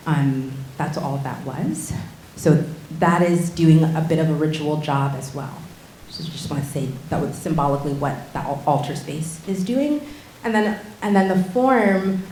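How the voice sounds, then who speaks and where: A woman with a low, mellow voice answers questions after a show, pausing and restarting as she feels her way through each answer. The room around her is echoey, with faint hiss. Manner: thoughtful, searching for words, restarts. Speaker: theater maker answering audience questions. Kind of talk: post-show talkback. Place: theater auditorium.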